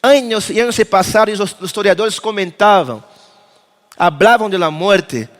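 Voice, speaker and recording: A man preaching a conference sermon as pastor, with dramatic pauses and moments of acting out dialogue. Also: high-pitched. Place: church auditorium. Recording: long reverb of a church hall.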